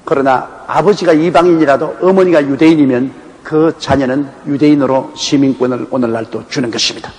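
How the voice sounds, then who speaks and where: A man's voice: mid-range voice, a little fast, big-room sound, low-quality recording. An older man from the Gyeongsang region of Korea, a pastor preaching a sermon that explains a Bible passage in a conversational, anecdotal way. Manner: animated, emphatic delivery.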